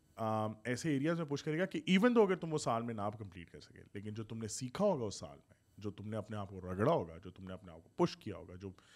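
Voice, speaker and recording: A man speaks at a medium pitch with very wide pitch swings and big swings in loudness. The recording is very clean with a silent background. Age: 30s. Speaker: podcast host. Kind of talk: casual interview chat.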